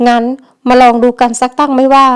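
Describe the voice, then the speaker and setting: A woman's voice: high voice, flat delivery, fairly quick, clean tone, natural voice. A woman voicing a domineering, possessive young man who speaks in harsh, accusing tones. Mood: menacing.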